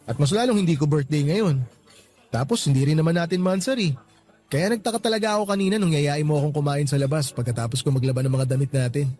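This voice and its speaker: A man with a Filipino accent acting as an affectionate, easygoing boyfriend in a radio romance drama, speaking in a conversational, expressive way. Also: a little high, natural voice.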